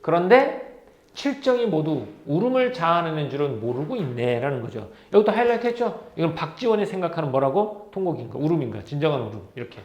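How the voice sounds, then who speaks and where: Captured in a roomy, somewhat dull lecture recording, a man with a slightly high voice and a darkish tone teaches literature. He keeps throwing questions at the students, then supplies the answers himself.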